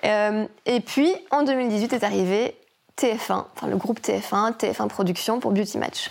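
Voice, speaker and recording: At a very slow pace, a woman is heard on a very clean recording with a silent background. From Belgium, Italian immigrant family. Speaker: YouTuber and content creator. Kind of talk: casual interview.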